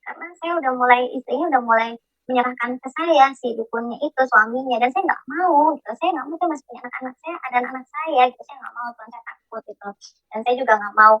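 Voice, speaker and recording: A middle-aged woman giving an emotional, halting Christian testimony full of fillers and restarts. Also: sits high, no echo, lo-fi sound. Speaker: testimony speaker.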